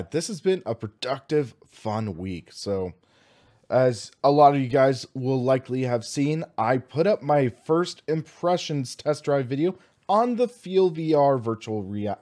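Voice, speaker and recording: Slightly hoarse young American man livestreaming. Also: mid-range voice, darkish tone. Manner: upbeat, enthusiastic, informal. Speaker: host of a sim racing livestream. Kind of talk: casual livestream chat.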